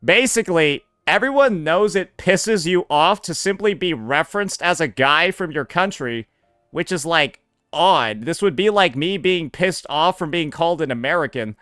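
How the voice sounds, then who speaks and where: Sarcastic, profane man with a clear high voice. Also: animated, moderate pace, sharp tone, no room sound, clean studio sound, soft background music. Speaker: commentary streamer. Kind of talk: reaction commentary.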